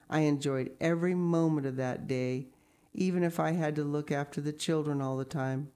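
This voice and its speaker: A woman's voice: deep voice, mellow, natural voice. A dreamy, chattering orphan girl, read by a woman. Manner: wistful, rambling, eager.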